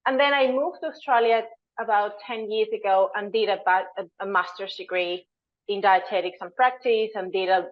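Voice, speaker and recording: A woman, from Venezuela, speaking as a dietitian guest. She explains earnestly at a mid-range pitch and often searches for her words. The audio is somewhat dull and lo-fi. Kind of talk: conversational interview answer.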